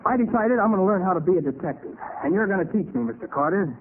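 An actor playing a brash, eager young American ex-soldier in a 1940s radio drama, with slangy, boyish cheek. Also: male voice, high-pitched, animated, quick pace. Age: young adult. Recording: muffled hissy 1940s radio recording.

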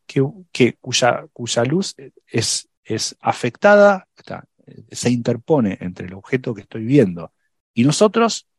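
A man's voice: medium pitch, big pitch swings, a little slow, husky, no room sound, studio quality. A man on a science podcast, explaining black holes in casual chat, thinking aloud with fillers and restarts.

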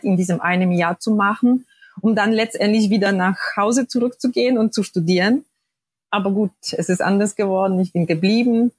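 A Polish woman in her forties, a native Polish speaker with a Polish accent, appears as a podcast guest in a personal interview. Her medium-pitched voice is slightly rough, recorded with no room sound, and she tells her story hesitantly, full of fillers and pauses.

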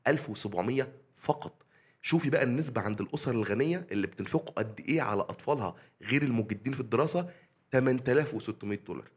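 Very fast-talking Egyptian man. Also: on the low side, breathy edge. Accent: Egyptian Arabic. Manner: argumentative, explaining with statistics. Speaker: discussion participant. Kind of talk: casual podcast discussion.

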